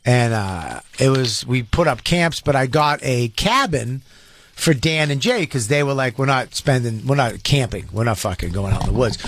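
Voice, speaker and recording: A man's voice: mid-range voice, animated, moderate pace, fairly bright tone. A man, a comedian co-hosting a podcast, telling loose, profane stories in casual banter with stumbling restarts.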